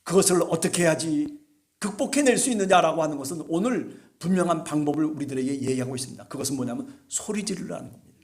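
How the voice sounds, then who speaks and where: A male pastor delivering an impassioned sermon at a church service, urging his listeners and rising at times to shouts. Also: a little high, lively intonation, fast talker.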